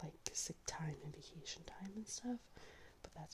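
Someone whispers in a soft-spoken way over noticeable background noise. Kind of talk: casual vlog chat. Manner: whispered or soft-spoken ASMR rambling. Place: home room. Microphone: phone near.

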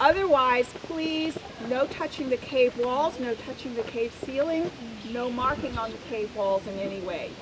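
A woman speaks at a high pitch. There is noticeable background noise. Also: fairly slow pace. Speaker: park ranger tour guide. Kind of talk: tour guide safety briefing. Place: forest. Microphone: camera far.

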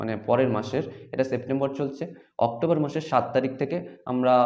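A man's medium-pitched voice, an unremarkable speaking voice. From West Bengal, Nadia district (Kalyani). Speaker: online tutor. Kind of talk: casual Q&A talk to viewers. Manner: casual, conversational.

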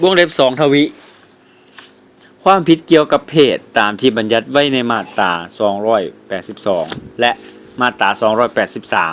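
A medium-pitched man with an Isan accent and very wide pitch swings. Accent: Isan (Northeastern Thai). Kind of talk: reading legal code text aloud.

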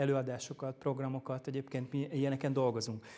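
The man's pitch is fairly high. He talks at a very fast pace. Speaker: esports federation official. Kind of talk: panel discussion. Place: studio.

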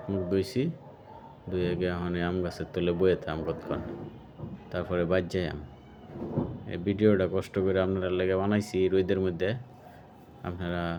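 A man speaks with a Mymensingh accent in a very deep, low voice. His intonation is monotone and flat. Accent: Mymensingh regional dialect. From Bangladesh, Mymensingh region. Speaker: village vlogger. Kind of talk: walking tour vlog narration. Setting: outdoors in village fields.

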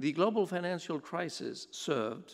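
In a quiet setting, a man takes his time, speaking at a fairly slow pace. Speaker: keynote speaker. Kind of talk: lecture. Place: hall. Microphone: podium.

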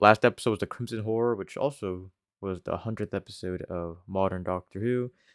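A man with a normal speaking voice talks at a fairly quick pace with ordinary pitch variation. The sound is dry with no echo, over a quiet background. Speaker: reaction video host. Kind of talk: casual vlog chat. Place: home room. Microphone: studio mic.

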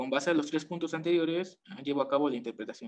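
A man talking very fast at a fairly high pitch, with light background noise. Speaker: music student. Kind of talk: reading a prepared text, then discussion; presentation of own creative method. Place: home room. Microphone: video call.

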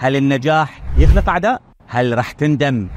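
The sound is dry and close with no echo, though noticeable background noise comes through. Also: man. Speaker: TV host. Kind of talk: interview.

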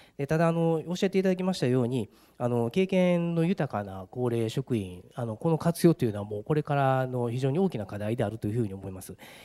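Against a quiet background, a man rushes along at a very fast pace with hardly any pauses, his dark, mellow voice swinging very widely in pitch. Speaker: city transit bureau official. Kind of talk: council committee testimony. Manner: halting, many fillers. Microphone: podium.

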